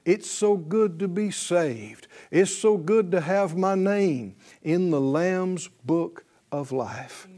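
A man's voice: sits high, slow, hardly any pauses, warm tone. A man preaching a sermon as pastor, exhorting his congregation with call-and-response and repeating phrases for emphasis.

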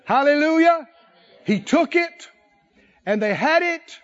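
A man's voice: very high-pitched, expressive, slow, fairly bright tone, highs cut off. A man preaching a sermon in a church, telling the story in a folksy way and calling for responses from the congregation. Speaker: pastor.

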